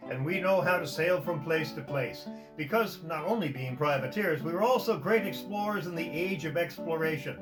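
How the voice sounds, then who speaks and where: Guy doing a hearty renaissance faire privateer teacher, olde-time talk, highish voice, loud plucked guitar behind him. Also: close to an everyday voice, rough recording. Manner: mock olde-time speech, theatrical lecturing. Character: jovial Renaissance privateer surgeon teaching navigation. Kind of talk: Renaissance faire character demonstration.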